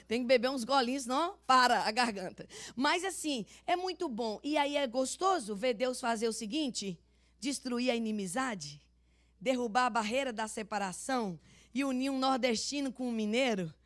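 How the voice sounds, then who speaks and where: Older Northeastern Brazilian woman pastor preaching. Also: moderate pace. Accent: Northeastern Brazilian Portuguese. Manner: animated storytelling, loud booming laugh; acts out voices of people in her stories. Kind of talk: sermon.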